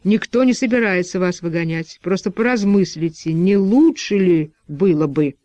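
A stern postwar official presses his questions in an insinuating tone, voiced by a man reading the story. The voice sits fairly high and sounds dry and close. The sound is a bit dull. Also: normal speed, mellow, no room sound, natural voice. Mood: pressing.

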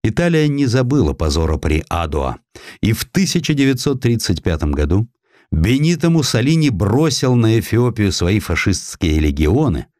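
A man reading a historical essay as an audiobook narrator, in a measured, dramatic storytelling delivery with expressive emphasis. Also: fairly low pitch, dry recording, studio quality.

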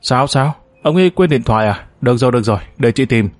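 A man voicing the sharp-tongued, scolding middle-aged wife of a boss in an audiobook. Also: medium pitch, expressive, quick pace, dry recording, natural voice.

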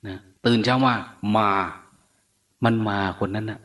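An older man, a monk, giving a folksy storytelling sermon, acting out the people in his stories with blunt, rough words. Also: fairly low pitch, a little slow. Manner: lively, acts out quoted speakers, blunt rough words. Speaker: monk giving a dharma talk.

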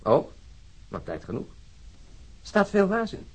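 A man playing a wry, reflective, argumentative police colleague in a crime radio drama, with a husky voice. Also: high voice, wildly swooping pitch, takes it slowly, a little mellow, exaggerated voice.

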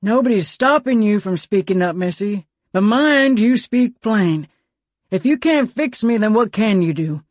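A woman's voice: medium pitch, expressive, measured pace, no echo, pitched above the performer's own voice. A woman doing Slim, a drawling talking gun. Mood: wry. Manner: drawling Western folksy talk. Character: talking male six-gun, folksy and wry.

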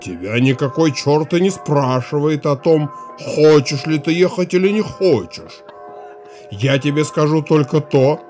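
A man's voice: on the high side, a little mellow, natural voice. An actor playing a stern, pompous old male seminary rector in a radio play. He speaks in a lordly, threatening way and gives fussy, businesslike orders.

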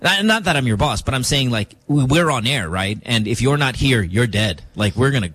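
A man's voice: medium pitch, expressive, fairly bright tone, slightly rough, no echo. Brash teasing male radio host. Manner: brash, teasing, deliberately rude. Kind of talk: casual radio banter.

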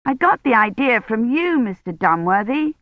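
A woman's voice: a little high, very animated, moderate pace, no room sound, voice pushed up. A woman reading an eager young woman historian. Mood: reassuring. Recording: dry, slightly dull lo-fi recording.

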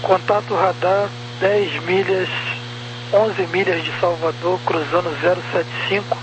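A man's voice: high-pitched, fairly even intonation, unhurried. A man working as an air traffic controller, giving clipped procedural instructions over a walkie-talkie style radio. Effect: two-way radio, walkie-talkie sound. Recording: noisy aviation radio with hum.

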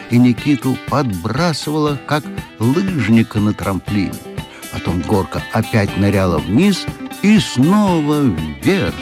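A man narrating a children's fairy-tale audiobook in an expressive storytelling manner. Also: mid-range voice.

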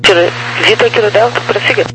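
Fast, high-pitched Brazilian male air controller on radio. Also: pushed and bright. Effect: radio transmission. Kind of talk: procedural air traffic radio phraseology. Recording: noisy humming aviation radio channel.

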